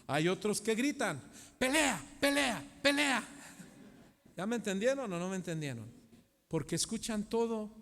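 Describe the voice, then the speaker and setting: A middle-aged man with a Mexican accent preaches a sermon in a church hall. His voice sits high and rings out with long reverb, and he keeps turning to the congregation with rhetorical questions, swinging from loud to hushed. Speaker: pastor.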